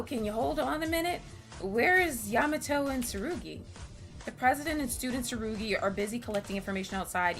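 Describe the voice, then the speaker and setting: A woman reading game dialogue aloud, voicing bantering, earnest anime visual-novel students in a theatrical, expressive way. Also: medium pitch, natural voice.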